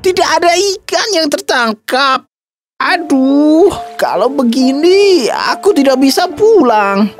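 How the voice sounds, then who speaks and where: An old fisherman from a cartoon fairy tale, played by a woman, stubborn and hardworking. He talks slowly and earnestly in a very high, squeaky voice, with light children's music behind him. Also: lively intonation. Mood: disappointed.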